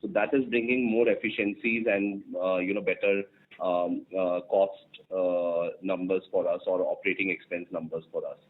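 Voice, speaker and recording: A man, a finance executive, answering an analyst on an earnings call, halting with many fillers. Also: low-pitched, steady tone. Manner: halting, heavy fillers like uh and you know. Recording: phone-line audio.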